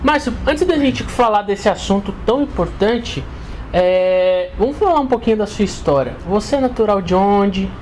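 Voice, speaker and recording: A high-voiced man with a Brazilian accent hosts a casual interview. He speaks conversationally as the interviewer. There is faint background noise and ambience around him. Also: lively intonation, normal speed, a little mellow, poor audio. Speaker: interview host. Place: inside the guest's home.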